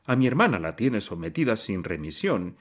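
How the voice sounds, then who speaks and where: A man's voice: fairly low pitch, sing-song, normal speed. A man reading aloud and voicing an angry young male student who confronts his father in heated, impassioned outbursts. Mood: indignant.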